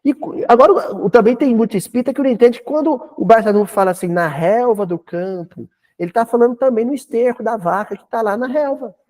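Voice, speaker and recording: A man with a Brazilian Portuguese accent giving a spiritist talk in a folksy, animated way, with humorous asides. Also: extremely high pitch, fast talker, few pauses. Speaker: spiritist lecturer.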